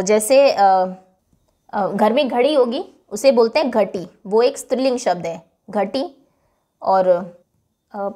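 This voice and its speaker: During a classroom lesson, a woman teacher with a slightly high, somewhat mellow voice patiently says each word again before explaining its meaning. English words are sprinkled through her talk.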